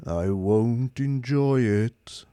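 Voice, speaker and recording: A man voicing a gloomy, depressed male robot who drones slowly and hopelessly. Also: medium pitch, dark tone, clear, resonant tone, no echo. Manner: droning, slow, mournful.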